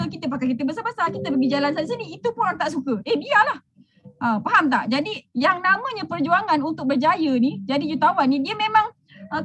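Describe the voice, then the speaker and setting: A woman's voice: very high voice, sharp tone. A middle-aged woman with a Malaysian Malay accent, giving a brash, teasing motivational talk to a group as a business mentor, laughing often.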